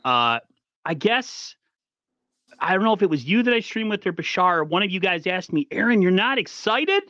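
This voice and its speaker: A man hosting a casual sports podcast, talking in an animated, rambling way with frequent restarts. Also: high voice, moderate pace, no echo, highs cut off. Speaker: podcast host.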